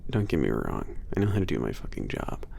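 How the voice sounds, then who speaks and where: A man playing a laid-back, cocky werewolf trainer at a spaceport in an ASMR roleplay, talking casually with teasing, swearing and halting phrases. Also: rumbling low, big pitch swings, creaky, dark tone, a little hiss or hum, exaggerated voice. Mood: relaxed, frank. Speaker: trainer showing a new hire around. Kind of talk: ASMR roleplay, casual one-sided conversation.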